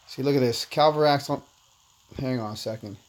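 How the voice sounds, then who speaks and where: A man's voice: mid-range voice, brisk, poor audio. A man born in Korea, first language Korean, casually chatting with viewers while streaming a mobile game. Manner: laid-back, chatty, calls viewers "man", reads chat aloud. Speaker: livestream host. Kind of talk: casual gameplay livestream chat.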